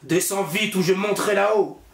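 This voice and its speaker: A man's voice: high voice, moderate pace, vocal fry, fairly bright tone, voice pushed up. A man voicing a cruel, murderous rich husband in a storybook, talking in a stern, threatening way. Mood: menacing. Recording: roomy echo.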